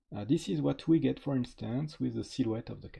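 With a dark, mellow tone and a somewhat breathy quality, a man speaks at a medium pitch. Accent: strong French. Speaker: computer science researcher. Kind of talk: technical conference talk.

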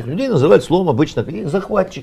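Here a man speaks in a dark, mellow tone. His pitch swings very widely. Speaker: political commentator. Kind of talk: TV talk show discussion.

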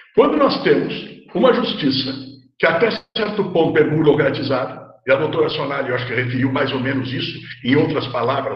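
A man talks at a fairly quick pace with very wide pitch swings. The background is quiet, with audible room echo. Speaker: appellate judge, former lawyer. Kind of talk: panel discussion. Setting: video call. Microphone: earbuds.

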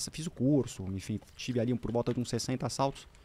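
The speaker is a man. His pitch varies an ordinary amount. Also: dry sound with no echo. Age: 50s. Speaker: former Olympic skier and adventure athlete; podcast guest. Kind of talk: casual interview. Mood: calm, reflective storytelling. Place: studio. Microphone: studio mic.

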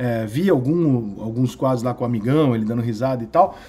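The speaker is a man with a dark, mellow tone. His pitch shows ordinary variation. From Brazil. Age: 40s. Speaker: sports journalist. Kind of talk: video commentary monologue. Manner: casual, conversational. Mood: opinionated, somber tribute, irritated. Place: home room. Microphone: phone near.

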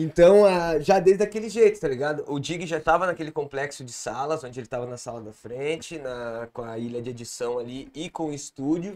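A man's fairly high-pitched voice at a fairly quick pace, with lively intonation, big swings in loudness and hardly any pauses. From southern Brazil. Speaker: comedian and video producer. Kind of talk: casual chat. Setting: studio. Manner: animated. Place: studio. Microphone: studio mic.

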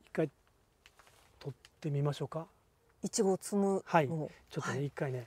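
A man speaks at a fairly quick pace in a fairly high pitch with ordinary pitch variation and long, frequent pauses, the sound dry and close with no echo. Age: 40s. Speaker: strawberry farmer. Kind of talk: casual interview.

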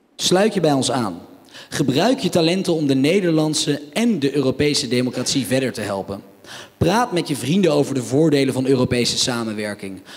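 The speaker uses lively intonation at a fairly quick pace. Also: man. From Netherlands. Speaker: political party founder. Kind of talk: speech. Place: hall.

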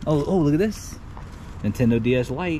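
Lively intonation marks this man's speech. Noticeable background noise runs underneath. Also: dry sound with no echo. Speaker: storage unit reseller. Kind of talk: casual vlog commentary. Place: street. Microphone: phone near.

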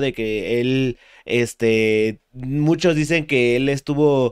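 A voice in a Mexican accent with ordinary pitch variation over a quiet background. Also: man. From Mexico. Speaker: podcast host. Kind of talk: casual interview. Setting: home studio with green screen. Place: home room. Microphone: studio mic.

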